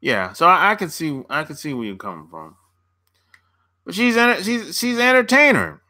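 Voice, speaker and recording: A dating coach who hosts his own channel runs a casual livestream, answering viewer comments in relaxed slang and laughing often between remarks. His voice is high-pitched and pushed, bright in tone, with big pitch swings at a normal speed.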